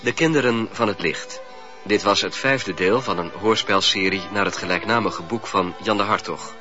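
A man's voice: fairly low pitch, normal speed, over music. A man formally reading scripted closing credits as a radio drama announcer. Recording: dull radio recording.

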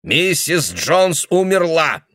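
Male narrator puts on a wild-eyed old dad, yelling and suspicious, in a dry booth. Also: a little high, very animated, slow pace, no room sound, pitched above the performer's own voice, exaggerated voice. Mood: raging. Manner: shouting, paranoid, accusing. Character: confused angry old man, father.

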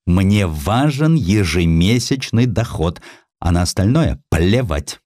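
A man's voice: low voice, animated, takes it slowly, a little mellow, no room sound. A man puts on a rude, money-minded publisher for a historical audiobook. He sneers and snaps mockingly, his intonation swinging widely. It is recorded dry and close. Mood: abusive, mocking. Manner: snapping, sneering.

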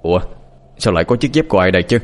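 A man voicing a concerned middle-aged village man who speaks gently to a child. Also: sits low, animated, rapid-fire.

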